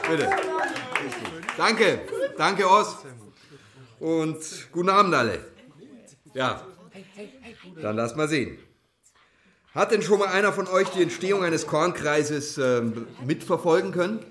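A man's voice: a little high, lively intonation, slow, pauses often, fairly bright tone, slight background noise. An actor playing a genial activist giving a talk, teasing his audience with questions and wry innuendo in a radio drama. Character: genial, teasing male activist lecturer on crop circles. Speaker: guest speaker. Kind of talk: naturalistic German radio crime drama. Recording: echoey room, audience murmur behind.

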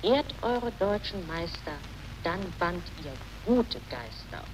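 Slow, solemn woman on noisy 1930s radio. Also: lowish voice, very animated. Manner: declamatory, solemn, reading aloud. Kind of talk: 1930s radio interview read from script.

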